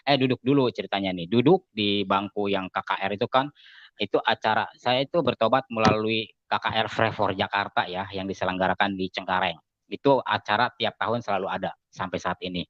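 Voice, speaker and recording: Low-voiced man telling an animated story. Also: brisk, no room sound. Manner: animated storytelling, acting out quoted dialogue with raised pitch. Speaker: guest giving a conversion testimony. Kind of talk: casual spoken testimony. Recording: dull, slightly lo-fi dry sound.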